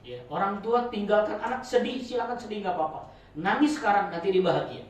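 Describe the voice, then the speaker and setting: A man teaching a religious study circle in a chatty, joking sermon style, swinging between loud and soft. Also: high-pitched, lively intonation, a little fast. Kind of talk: informal sermon. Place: prayer room. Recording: very echoey room, voice from far off.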